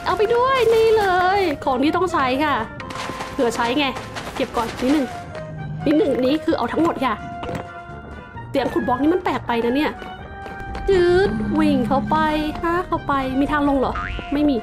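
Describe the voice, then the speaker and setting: Brief: young woman, high voice, playful game commentary, startles easily, music underneath. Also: expressive, normal speed, long pauses. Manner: chatty, startled exclamations, talks to game mobs. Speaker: gaming channel host. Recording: music playing behind the voice.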